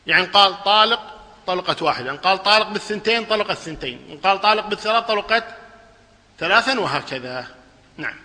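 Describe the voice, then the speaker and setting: A man gives a religious lesson in a high, very bright voice. He keeps the class engaged, asking questions and answering them himself. The sound carries a long reverb, as in a large hall. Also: lively intonation, quick pace. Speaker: Islamic scholar teaching a lesson. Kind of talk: religious lesson, explaining a text.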